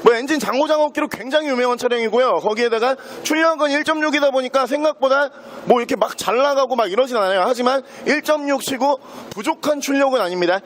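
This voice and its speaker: Talking fast in a very high, slightly bright voice, a man shows off a used car he's selling. His patter flows easily as he moves through the walkaround like an experienced salesman.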